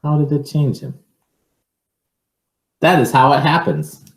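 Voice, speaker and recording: A man reading a picture book aloud to children in an expressive, measured way, with informal asides. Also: fairly high pitch, reverberant.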